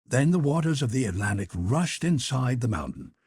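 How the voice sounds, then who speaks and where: A man's voice: medium pitch, very animated, normal speed, darkish tone, breathy edge, no echo, clean studio sound. A man voicing a learned professor in an audiobook, articulate and didactic, explaining things with relish. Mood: explanatory.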